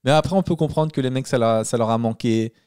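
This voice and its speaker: A man hosts a relaxed conversation with blunt, slangy phrasing. His pitch is middling and the sound is dry and close. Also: fast talker, clear, resonant tone, no room sound. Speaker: podcast host. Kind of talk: casual chat.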